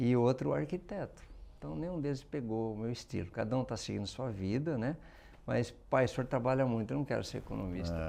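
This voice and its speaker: A man speaks at a fairly quick pace in a medium pitch. His dark, mellow tone carries very wide pitch swings. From interior of São Paulo state, Brazil (Iacanga, Bauru). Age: 70s. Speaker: economist. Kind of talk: interview.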